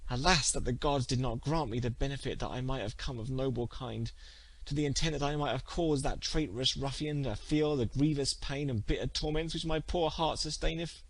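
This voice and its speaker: A man's voice: mid-range voice, fairly quick, no room sound, voice pushed up, lightly acted, poor audio. A man voicing an anguished, vengeful young woman, wailing melodramatically in an archaic storybook tale. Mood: bitter despair. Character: anguished, vengeful young wronged woman lamenting her betrayal. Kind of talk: dramatic archaic storybook reading.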